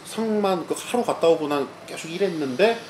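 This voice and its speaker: A man's voice: on the high side, animated, a little fast, a little mellow. A man telling rambling stories in casual drinking chat, acting out his own past outbursts. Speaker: streamer host. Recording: echoey room with background noise.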